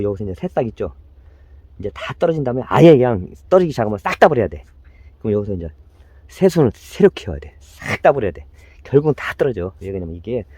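Man, low mellow voice, casual plant-care how-to, repeats himself often. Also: slightly rough. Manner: repetitive, chatty, talks straight to viewers.

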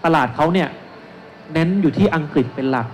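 A brisk, slightly high male voice belongs to a securities analyst in his thirties serving as a panel speaker at an investment seminar. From an indoor shopping mall expo stage, he explains things step by step into a handheld microphone, adding polite particles often. The live event audio is noisy.

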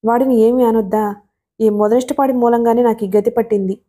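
A woman's voice: on the high side, steady tone, fairly quick, dark tone, lightly acted. A woman voicing a bitter old village grandmother who scolds and snaps. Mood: scolding. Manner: scolding, snapping.

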